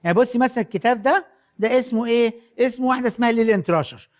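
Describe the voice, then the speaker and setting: Bubbly egyptian puppet uncle telling stories, woman doing the voice, rattles along really fast. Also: on the high side, lightly acted. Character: cheerful male puppet uncle, storyteller.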